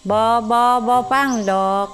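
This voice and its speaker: A woman voicing a sharp-tongued old village woman with a Northeastern Thai Isan accent, dry and mocking. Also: takes it slowly, soft background music. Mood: dismissive.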